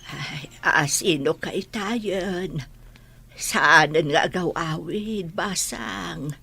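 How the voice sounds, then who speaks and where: A woman with an Ilocano Filipino accent acting a kindly, forgetful old grandmother in a radio drama, her voice husky and creaky. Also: fairly low pitch, extremely slow, bright, forceful tone, soft background music, heavily acted. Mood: puzzled.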